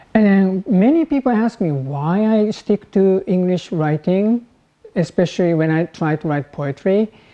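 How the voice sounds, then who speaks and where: With a Japanese accent, the speaker goes at a fairly slow pace while the pitch swings very widely. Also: woman. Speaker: poet. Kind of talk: interview. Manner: halting, many restarts.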